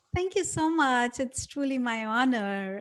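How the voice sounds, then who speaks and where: A woman speaks with an Indian accent in a very clean recording with a silent background. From India, small town of Roorkee. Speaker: business strategist and author. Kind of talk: interview.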